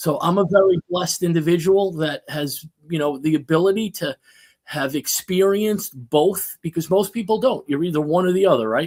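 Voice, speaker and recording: A speaker with a New York accent, talking at a moderate pace with ordinary pitch variation. The sound is dry and close, with no echo. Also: man, high pitch for a man. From New York City (Brooklyn/Queens border). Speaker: optics industry executive. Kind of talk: interview.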